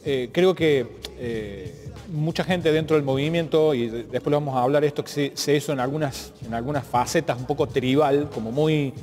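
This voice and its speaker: A man with a Cordobese Argentine accent, interviewing conversationally in a halting, thoughtful way, repeating words as he builds his questions. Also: fairly high pitch, a little mellow. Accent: Cordobese Argentine Spanish. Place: large art gallery, indoors. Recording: long hall reverb, music underneath.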